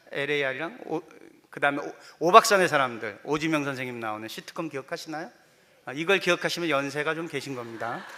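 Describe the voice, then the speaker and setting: Talking at a very fast pace, a man with a fairly high pitch and ordinary pitch variation swings widely in loudness. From Seoul (Wangsimni). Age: 50s. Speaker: film director and comedy writer. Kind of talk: testimony. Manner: animated.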